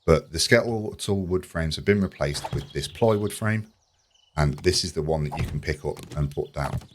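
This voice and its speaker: A man giving chatty, enthusiastic commentary as a let's play host, slightly croaky from a sore throat. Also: extremely low pitch, normal speed, a little hiss or hum. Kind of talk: casual video game commentary.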